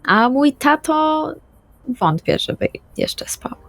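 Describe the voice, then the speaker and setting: A woman's voice: high voice, very animated, takes it slowly, creaky, fairly bright tone, no echo, full character voice. Woman playing a hesitant young vampire girl. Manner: hesitant, plain-spoken. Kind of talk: improvised tabletop roleplay as audio drama.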